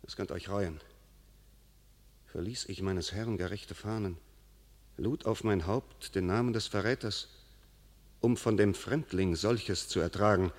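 Haughty, hot-tempered duke in long reverb. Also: male voice, fairly low pitch, unhurried, pauses often. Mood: indignant. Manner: declamatory, indignant, haughty. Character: proud, hot-tempered, offended Burgundian duke. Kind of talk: classical German verse radio play. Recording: long reverberant hall sound.

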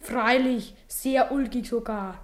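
A woman's voice: on the high side, slow, a little hiss or hum. A woman playing a proud, reserved schoolboy hiding sadness in a German radio play, answering correctly and evasively. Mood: guarded, downcast.

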